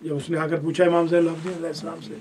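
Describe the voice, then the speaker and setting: High-voiced stern male teacher. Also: little pitch movement, darkish tone, a little hiss or hum. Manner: stern, corrects students sharply. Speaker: religious studies teacher. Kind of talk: classroom grammar lesson.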